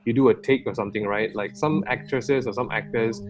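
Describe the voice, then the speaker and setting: A man's voice: mid-range voice, fairly even intonation, a little fast. A man giving a casual interview, thinking aloud in informal, conversational phrases. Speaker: interviewed guest, YouTuber. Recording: loud guitar music behind voice. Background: guitar music.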